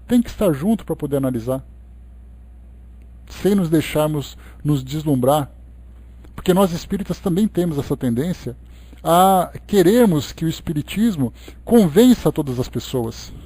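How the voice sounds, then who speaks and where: A man's voice: fairly high pitch, dark tone, no room sound. A Brazilian man giving an expository study talk as a lecturer, reading aloud and explaining in a didactic way with conversational asides. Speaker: lecturer leading a Spiritist book study.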